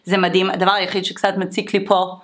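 A chatty woman talks through her makeup routine in a casual vlog. Her pitch sits in the middle of the range. She drops English exclamations in between her running commentary. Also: level tone, fairly bright tone. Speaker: beauty vlogger. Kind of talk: casual makeup tutorial chat.

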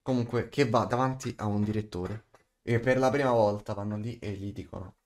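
A man's voice: lowish voice, brisk, a little mellow. A man, talking casually and bluntly to camera in colloquial, sweary language. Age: 20s. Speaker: YouTuber, aspiring voice actor. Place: small bedroom, indoors. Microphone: studio condenser mic on desk.

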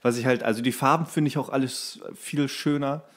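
A man's voice: medium pitch, fairly even intonation, a little fast. A man chatting casually as a co-host on a podcast.

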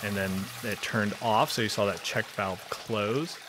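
A man's voice: lowish voice, unhurried, noisy background. A man in his thirties giving a methodical, step-by-step home repair lesson in a basement. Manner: clear, methodical, practical explaining. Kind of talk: step-by-step how-to explanation. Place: basement with concrete walls.

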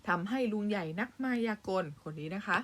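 Speaking at a mid-range pitch, fairly quickly and a bit brightly, a woman reads a story to young primary pupils. As a Thai teacher she patiently stops to explain words, talking to the children directly with polite particles.

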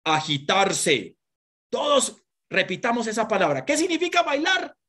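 Woman presenter for children, husky voice, lively and full of questions. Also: a little high, unhurried. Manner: animated, asks children questions and has them repeat words.

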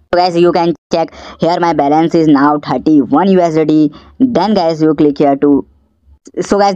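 A man's voice: on the high side, mellow, dry recording. Male app promoter, South Asian accent, instructional and repetitive, dry close lo-fi voice-over. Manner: repetitive step-by-step instruction in non-native English. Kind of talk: screen-recorded tutorial narration. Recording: dull, lo-fi voice-over.

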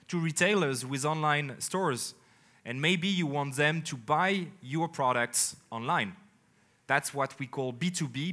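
A man in his thirties with a French accent, giving an energetic conference keynote on a large indoor stage, speaking in phrases with emphatic pauses. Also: fairly high pitch. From France. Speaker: company executive presenting on stage.

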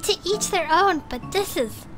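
A woman's voice: extremely high pitch, lively intonation, a little slow, loud music behind the voice. A woman co-hosting an audio drama, recapping the story in a dramatic, chatty style. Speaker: co-host and player.

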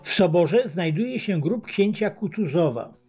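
A man narrates a travel film in a measured, scripted voice-over. His voice sits high but sounds dark and husky. The recording is dull and lo-fi. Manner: even, measured reading of facts and figures. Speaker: documentary narrator. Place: voice-over, not recorded at the pictured site. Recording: dull lo-fi voice-over with faint choir music.

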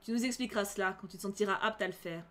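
A woman voicing a calm, serious female fairy leader in a story game, speaking in a measured, explaining way. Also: mid-range voice, pitched below the performer's own voice, lightly acted.

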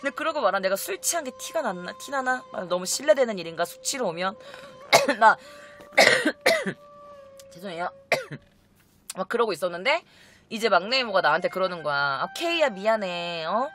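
A woman's voice: medium pitch, moderate pace. A young woman casually telling a personal story to her viewers, acting out the voices of her relatives as she goes. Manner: animated, acts out quoted relatives in shifting voices. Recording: faint music behind.

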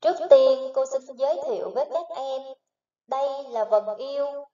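A woman teacher giving a slow, patient phonics lesson to young children, spelling out sounds one syllable at a time. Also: sits high, warm tone. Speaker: primary school teacher. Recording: echoey, distant, dull recording.

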